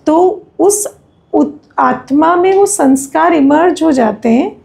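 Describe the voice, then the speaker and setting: High-pitched, slow-speaking Indian woman spiritual teacher. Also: lively intonation, creaky, a little mellow. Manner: didactic, conversational, often asks rhetorical questions and checks understanding. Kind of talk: spiritual discourse, explanatory.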